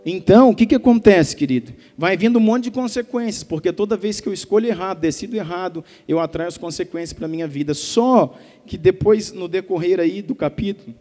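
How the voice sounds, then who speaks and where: A man with a Brazilian Portuguese accent preaching a sermon as pastor, emphatic and swinging between soft and loud. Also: high voice, a little fast. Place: church. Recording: reverberant church hall with soft music.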